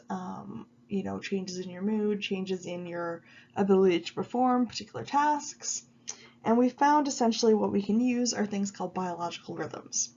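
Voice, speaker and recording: A woman giving a recorded video lecture while she has a cold, explaining at an even pace with frequent ums. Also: medium pitch, vocal fry, breathy edge, highs cut off. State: stuffy with a cold. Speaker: college psychology instructor.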